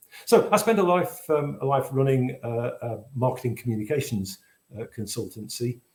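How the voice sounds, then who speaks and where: A dark, mellow tone carries a somewhat breathy quality. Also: man. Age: 60s. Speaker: writer and poet. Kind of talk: interview. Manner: halting.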